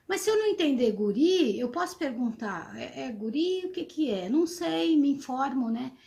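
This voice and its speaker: A high-voiced middle-aged woman talks to students. She explains patiently but hesitantly, with many fillers and restarts along the way. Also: big pitch swings, normal speed, creaky, warm tone. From São Vicente, Brazil. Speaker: interviewee, teacher.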